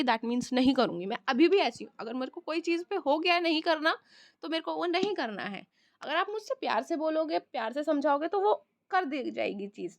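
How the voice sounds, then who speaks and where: High-voiced woman teacher in a dry room. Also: no echo. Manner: conversational, addresses students directly. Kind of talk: exam-prep lecture, mixing Hindi and English.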